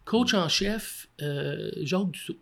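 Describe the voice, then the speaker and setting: A Québécois man tells old football coaching stories in a casual interview, his voice sitting a little high. He is animated, piling on fillers and restarts as he goes. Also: slow, gravelly. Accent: Québécois French. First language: French.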